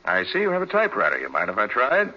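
An American actor playing an authoritative, blunt private detective in a 1940s radio drama, with clipped, businesslike questioning. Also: male voice, on the low side, huge pitch swings, racing, breathy edge, heavily acted. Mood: probing. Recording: muffled vintage 1940s radio recording.

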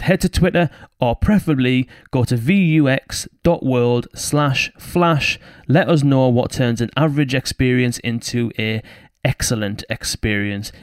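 A man hosting a podcast, speaking in a quick, upbeat and emphatic way. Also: mid-range voice, a little mellow, clear, resonant tone, dry recording, clean studio sound. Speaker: podcast host.

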